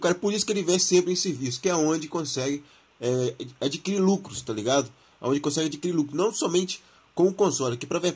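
Brazilian guy doing casual gaming news, slangy, husky voice, sick w flu and sore throat. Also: on the high side. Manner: informal, slangy. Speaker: gaming channel host. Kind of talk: casual gaming news commentary, reading and commenting on an article.

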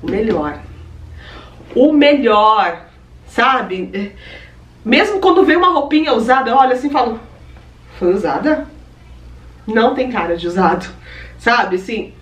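A woman's voice: medium pitch, expressive, measured pace. A young Brazilian woman with a Brazilian Portuguese accent, chatting effusively to her viewers in a casual unboxing vlog at home. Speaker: vlogger. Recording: roomy echo, distant mic, faint ambient noise.

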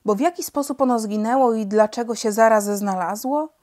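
A calm male pilot with no legs, wry and matter-of-fact, trading dry jokes, as a woman reads his lines in a storybook. He talks a little higher and louder than the narration around him. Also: a little fast, natural voice. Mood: soothing, grumbling. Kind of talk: storybook reading.

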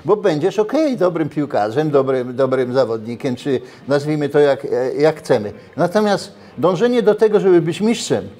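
Older man as interview guest, a touch high-pitched, animated and gesturing, lapel mic in a restaurant. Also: moderate pace, few pauses. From Poland. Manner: animated, gestures while talking, frequent restarts. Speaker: interviewee, former footballer. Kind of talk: casual interview. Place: brick-walled restaurant, indoors.

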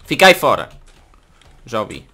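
A young man with a European Portuguese accent, hosting a casual gaming video and yelling and swearing when a fight starts. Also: mid-range voice, very animated, normal speed.

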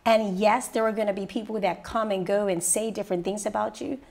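A woman in her thirties from Bermuda, a radio personality and mentor, telling her story in a sit-down interview with lively, rising energy. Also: a little fast, gravelly. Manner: lively storyteller, rises high when excited. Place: living room set indoors.

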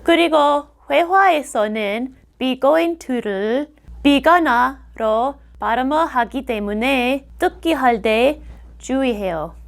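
Teaching grammar on video, a middle-aged woman from the United States whose first language is English drills each word slowly and with care. Her voice sits high, expressive with a creaky quality.

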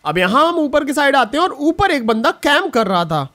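High-pitched excited young man narrating gameplay. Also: brisk, faint music behind. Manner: excited, chatty, addresses viewers as bhai. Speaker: gaming YouTuber. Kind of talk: gameplay commentary voice-over.

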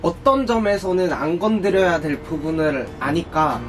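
A young man chatting casually and telling anecdotes in an animated way, acting out quotes as he goes. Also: on the high side, normal speed. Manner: animated storytelling with acted-out quotes. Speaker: vlogger. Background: music.

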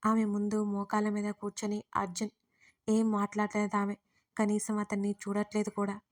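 A woman writer narrating her own romance audio story in a steady, even storytelling manner. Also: mid-range voice, normal speed.

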